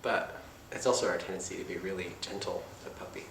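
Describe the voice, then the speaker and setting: A man with a lowish voice gives a dharma talk at a meditation center, soft-spoken and reflective, with casual asides. The sound has the roomy echo of a hall, with a faint hum of ambience underneath. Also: steady tone, quick pace, creaky. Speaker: meditation teacher.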